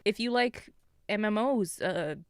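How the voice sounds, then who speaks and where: A woman's voice: medium pitch, expressive, unhurried, clean tone, no room sound. A woman from Canada co-hosting a gaming podcast in casual, chatty talk. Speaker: podcast co-host.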